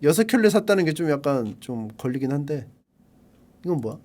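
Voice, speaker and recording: A man's voice: on the high side, sing-song, a little fast, darkish tone. A man in his thirties, live-streaming casually while he grumbles wryly about what he sees on screen. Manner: grumbling, wry running commentary.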